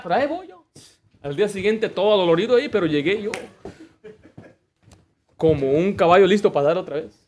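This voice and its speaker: A man's voice: a little high, darkish tone. A man preaching a sermon as pastor, fervent and full of personal work stories. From United States.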